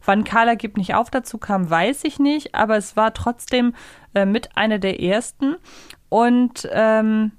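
A woman's voice: fairly high pitch, unhurried, clear, resonant tone, dry recording, clean studio sound. A woman in her thirties hosting a podcast in a casual, chatty style. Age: 30s. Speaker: podcast host. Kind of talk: casual chat.

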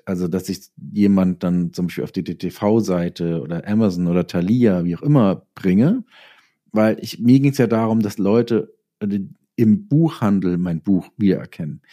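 Low-voiced, mellow middle-aged man in conversation. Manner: reflective, explains through self-quotes. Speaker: interview guest, author. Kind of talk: casual conversational interview talk.

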